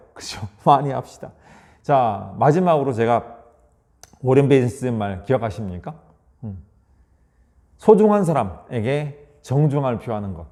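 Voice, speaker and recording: A man giving a lecture on communication between married couples, acting out short spousal exchanges and often asking listeners to agree. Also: mellow. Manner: acts out short spousal dialogues with exaggerated pitch; frequently seeks agreement from listeners. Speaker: leadership lecturer.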